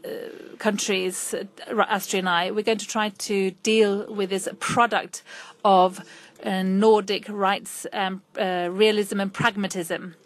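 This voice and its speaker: A woman interpreting a conference talk in real time, her pitch sitting in an ordinary middle range. She moves forward in bursts and stalls on fillers, restarting phrases as she catches up with the speaker. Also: level tone. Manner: halting, frequent fillers and restarts. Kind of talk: simultaneous interpretation of a lecture.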